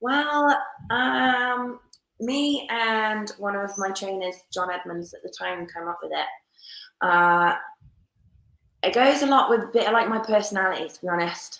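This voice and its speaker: With an English accent, a woman speaks at a fairly slow pace and fairly high pitch, her bright, sharp tone carrying lively intonation, big swings in loudness, and long, frequent pauses. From England. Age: 30s. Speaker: professional boxer. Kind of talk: interview.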